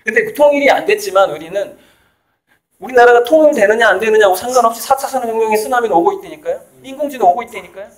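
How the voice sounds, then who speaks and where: His voice is very high-pitched, animated, and racing. The speaker, a male artist and author from South Jeolla, Korea, is an interviewee in a casual conversational lecture, making emphatic, casual points punctuated by laughter.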